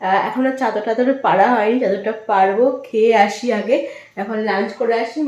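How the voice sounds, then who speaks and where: A woman's voice: medium pitch, steady tone, a little fast, darkish tone, lo-fi sound. A woman vlogger chatting casually to her viewers at home, her voice echoing around a bare, empty room. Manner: chatty, rambling, sprinkles English words. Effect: echo from a bare, empty room.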